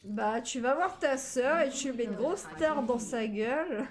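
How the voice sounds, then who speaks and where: High-voiced teasing woman gamer. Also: animated, unhurried, a crowd in the background. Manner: teasing, laughs a lot, crude. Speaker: gamer on voice chat. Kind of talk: casual gaming banter.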